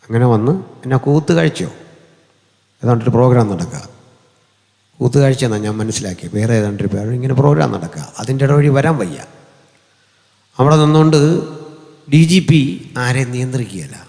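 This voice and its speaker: A man with a Malayali accent preaching a sermon in a large hall, speaking into a mic through an amplifier, conversational and humorous with sudden high-pitched climbs. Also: animated, brisk, vocal fry, long pauses, darkish tone. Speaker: pastor. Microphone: hand or stand mic through an amplifier. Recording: long hall reverb.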